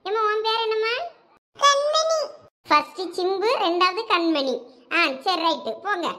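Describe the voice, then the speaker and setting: A woman speaks in a very high, bright voice with a thick Thoothukudi Tamil accent. She voices cartoon village women who bicker and tease each other in quick local slang. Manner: scolding, lively village banter. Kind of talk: cartoon voice acting.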